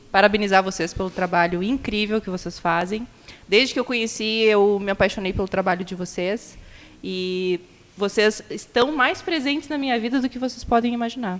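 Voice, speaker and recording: This woman has a normal speaking voice, pitched in the medium range, with ordinary pitch variation and a moderate pace. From Rio Grande do Sul, Brazil (Pelotas). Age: young. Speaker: real estate agent. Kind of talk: casual interview chat.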